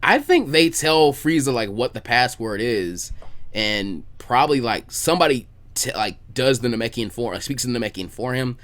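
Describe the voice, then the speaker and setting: A man hosting a casual podcast chat, halting and repeating words as he thinks aloud. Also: mid-range voice, expressive, a bit bright. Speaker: podcast host. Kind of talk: casual chat about anime what-if scenarios.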